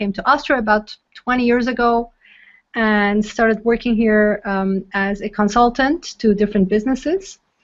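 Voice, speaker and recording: A woman's ordinary speaking voice, fairly high in pitch, with an American accent at a moderate pace. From expat childhood, mainly USA, Iranian-born. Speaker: business consultant and university lecturer. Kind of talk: online video hangout interview.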